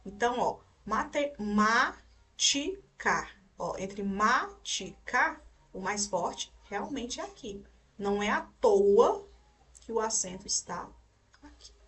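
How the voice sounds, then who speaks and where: A woman's voice: mid-range voice, expressive, measured pace, recorded from a distance. Brazilian woman, young adult, patient grammar teacher; checks in often; sits back from the mic. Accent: Brazilian Portuguese. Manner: explains step by step, checks in with "certo?" and "tá?". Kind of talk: recorded online grammar lesson.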